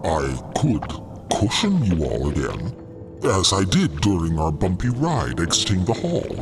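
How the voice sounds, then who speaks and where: Very deep, gentle gelatinous alien. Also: male voice, wildly swooping pitch, a little slow, over music, heavily acted. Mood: tentative. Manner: tentative, polite.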